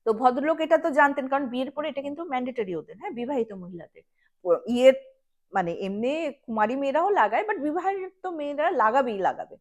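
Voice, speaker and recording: A woman's voice: high voice, animated, a little fast. A woman from tells a supposedly true story conversationally, checking in with listeners and dropping in English words. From Assam, India. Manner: chatty, addresses listeners with frequent check-ins; mixes English words into speech. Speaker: horror story narrator.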